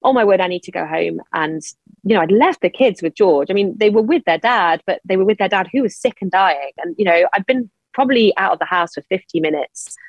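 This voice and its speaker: A woman in her thirties from England, telling a personal story of grief as an interview guest, speaking in quick emotional bursts. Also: animated, dry recording, dull audio. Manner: emotional, quick bursts of speech rising high when angry.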